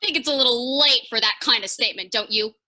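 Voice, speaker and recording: A woman's voice: a little high, fast talker, sharp tone. A woman playing a sardonic, unimpressed old nurse in a comedic staged reading, dry and sarcastic.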